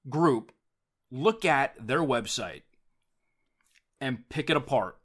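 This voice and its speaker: A man's voice: mid-range voice, fairly bright tone. A man hosting a solo podcast, talking casually and emphatically about business, often repeating words as he drives a point home. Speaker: podcast host; business coach and writer.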